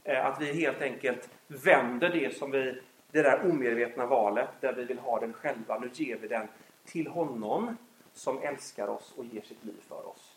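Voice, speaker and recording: A man giving a Christian talk, telling a story from family life with lively, animated delivery. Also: mid-range voice, a little hiss or hum. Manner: animated storytelling, acts out scenes. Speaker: Christian speaker. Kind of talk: faith talk with personal story. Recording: echoey room.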